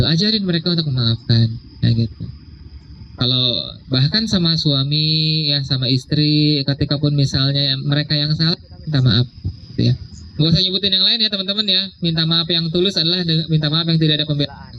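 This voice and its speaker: A young man giving a casual religious talk, slowing down to stress key words and checking in with "ya". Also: on the high side. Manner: conversational, drawn-out emphasis, frequent "ya". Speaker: religious speaker. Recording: dull lo-fi sound with faint noise.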